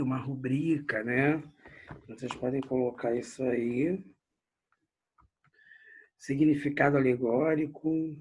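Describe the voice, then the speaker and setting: A man's voice: mid-range voice, a little mellow, slightly rough. A Brazilian man teaching a literature class online, chatty and addressing his students directly. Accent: Brazilian Portuguese.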